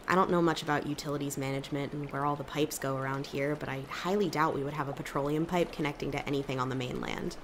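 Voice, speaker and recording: Woman acting a low-voiced, blunt, anxious young islander. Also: fairly even intonation, fast talker, hardly any pauses. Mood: skeptical. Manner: blunt, worried. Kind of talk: audio drama acting. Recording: water and ambient noise behind.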